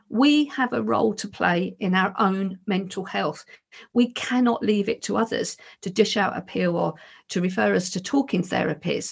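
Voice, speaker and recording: Her intonation is lively, and this woman speaks at a moderate pace. Her pitch is medium, with vocal fry. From London, England. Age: 60s. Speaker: mental health professional turned network marketer. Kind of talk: interview conversation about mental health.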